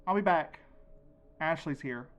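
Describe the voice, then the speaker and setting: A man's voice: on the high side, lively intonation, a little slow, a bit bright, soft background music. Man acting as Milo, an earnest, desperate searcher. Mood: urgent. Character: Milo, desperate, determined man searching for his missing husband. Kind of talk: audio drama podcast acting. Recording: clear background noise, ambient sound bed.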